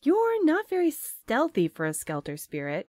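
A woman's voice: sits high, wildly swooping pitch, normal speed, a little mellow, no room sound. An actress playing a drowsy, teasing, wary young woman who banters dryly in an audio drama. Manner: dry, bantering.

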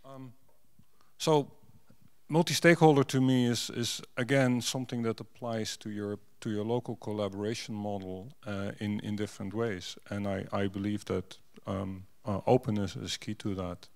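A gravelly, fairly low voice comes from a middle-aged, non-native English-speaking man on a conference stage. In a steady tone at a moderate pace, he speaks into a handheld mic during a panel discussion, with plenty of fillers and restarts.

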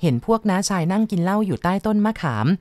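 A woman reading a novel aloud in a calm, even storytelling manner. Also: mid-range voice, quick pace, no room sound. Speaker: audiobook reader.

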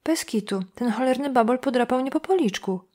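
A hot-headed young policewoman who flares up quickly, as a woman puts her on for an audiobook. She speaks sharply and indignantly, pitched higher than the narration. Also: animated, a little mellow. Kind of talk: audiobook dialogue.

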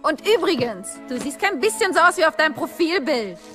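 A woman's voice: sits high, sing-song, fairly quick, over music. A woman voicing a blunt, impatient female sloth dumping her date in a German audio drama. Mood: dismissive.

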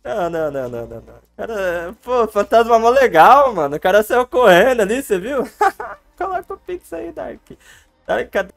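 A man's voice: high voice, very animated, normal speed, creaky, faint music behind. A man with a Brazilian Portuguese accent, giving playful, joking gameplay commentary on a livestream and talking to his chat. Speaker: game streamer.

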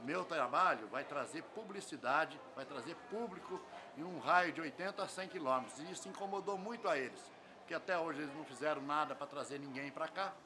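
A man's voice: on the high side, fairly quick. An older man with a Brazilian accent, giving an emphatic interview as a fair organizer, driving points home with repeated phrases. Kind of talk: on-camera news interview. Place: semi-open covered event hall. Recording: clear ambient noise of an open venue.

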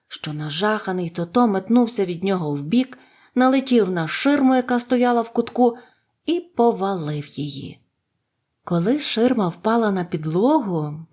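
Expressive woman reading a children's tale. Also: medium pitch. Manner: expressive storytelling. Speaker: audiobook narrator. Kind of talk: children's audiobook narration.

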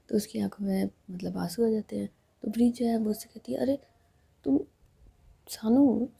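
A woman narrating a love story in a soft, often whispered delivery. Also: medium pitch, vocal fry, husky.

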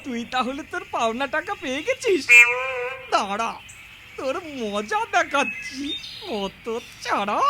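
A woman's voice: high-pitched, very animated, unhurried, a loud crowd. A woman voicing a scheming, boastful boy in a children's comedy cartoon, theatrical and exclamatory. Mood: taunting. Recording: music behind the voice. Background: music.

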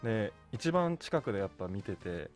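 Animated, earnest male radio guest. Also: on the low side, normal speed, soft background music. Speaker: guest voice and stage actor. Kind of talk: casual radio chat. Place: radio studio, masked at a table. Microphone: studio boom microphone.

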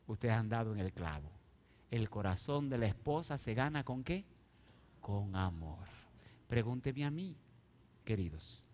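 A pastor with a slightly high voice preaches a sermon, moving between soft, intimate asides and loud, rising appeals, and he calls out questions for the congregation to answer.

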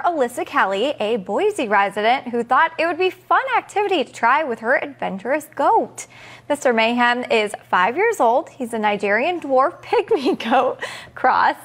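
Giggling woman news anchor, high voice. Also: a bit bright. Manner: giggling through a light story. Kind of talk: TV news feature.

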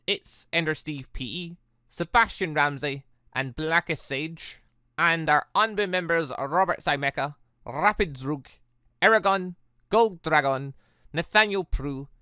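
Brief: male gaming host, bright tone, dry close mic, chatty and rambling. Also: a little high, unhurried, clear, resonant tone, no room sound. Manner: rambling and enthusiastic, many fillers. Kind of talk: casual let's-play wrap-up talk.

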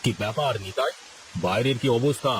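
A man voicing an anxious, generous village landlord in a cartoon, speaking low and pleading. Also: a little fast, a little hiss or hum, lightly acted. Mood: worried. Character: worried old village landlord, male, generous. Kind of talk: cartoon voice acting.

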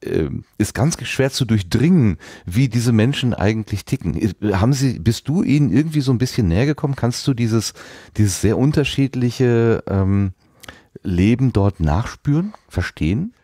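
A man's voice: medium pitch, animated, moderate pace, warm tone, breathy edge, dry recording, studio quality. A man hosting a podcast in a casual interview style, musing aloud and hesitating as he puts his thoughts and questions together. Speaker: podcast host.

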